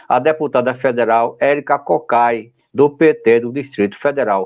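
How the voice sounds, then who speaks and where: A man at a moderate pace. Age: 60s. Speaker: professor and pension rights commentator. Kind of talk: political commentary on online show. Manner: animated.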